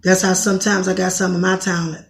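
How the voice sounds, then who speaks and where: A woman in her thirties from Washington, D.C., with a raspy voice, talking bluntly in a rambling podcast monologue and often correcting herself. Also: on the low side, flat delivery, quick pace, reverberant. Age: 30s. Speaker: podcast host. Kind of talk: casual monologue commentary.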